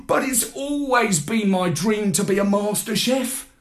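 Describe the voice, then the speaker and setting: A man voicing an eager, excitable male puppy who pleads and begs in a storybook reading. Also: high voice, a little slow, pitched above the performer's own voice. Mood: pleading.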